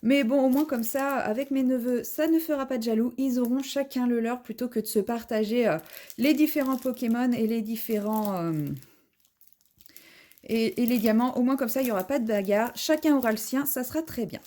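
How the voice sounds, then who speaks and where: A woman with a somewhat high, soft and mellow voice hosts a casual unboxing vlog at home. She chats as she walks through each item one by one. Her delivery is relaxed and conversational. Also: normal speed. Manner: chatty, describing each item as she unpacks it. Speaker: craft vlogger.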